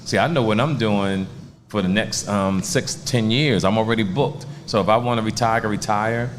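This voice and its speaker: A stand-up comedian in his sixties tells stories in a laid-back, streetwise way during a casual interview. His voice is lowish at normal speed, with slight background noise.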